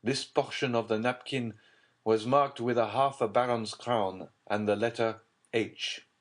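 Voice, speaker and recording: In an audiobook, a man voices a grim, despairing, secretive middle-aged prosecutor, speaking gravely, urgently and confidingly. His mid-range voice is steady and unhurried, only lightly acted.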